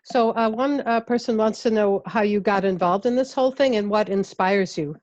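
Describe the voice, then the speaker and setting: A woman's voice: medium pitch, moderate pace, a little mellow, dry recording. Woman moderator on dry headset. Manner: friendly, reads out audience questions. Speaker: webinar moderator. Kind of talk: hosting a Q&A. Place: home office, indoors. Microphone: headset mic on video call. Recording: dry, slightly dull headset audio.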